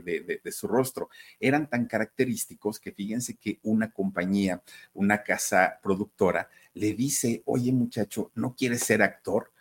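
A man tells a story in a chatty, casual way and keeps turning to his listeners. His voice is husky and fairly low. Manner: chatty, addresses listeners directly. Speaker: storyteller host.

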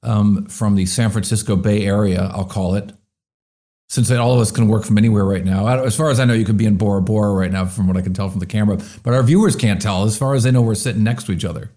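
A male business show host with a low, mellow voice. He chats in a loose, opinionated way, hedging often with fillers and restarts, then leads into an interview. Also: fast. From US Midwest. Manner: chatty, opinionated, lots of fillers. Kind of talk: business talk show hosting.

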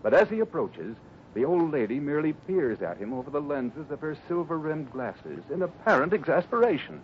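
A dramatic old-time radio announcer narrating a western serial. His male voice runs fairly high with sweeping inflection, on a muffled, noisy recording. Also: big pitch swings, brisk.

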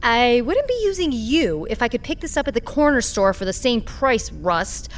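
A woman acting a wry, streetwise black-market trader who patches up cyborgs in a sci-fi audio drama, sardonic and expressive. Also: on the high side, normal speed, a little hiss or hum. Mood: matter-of-fact, reassuring.

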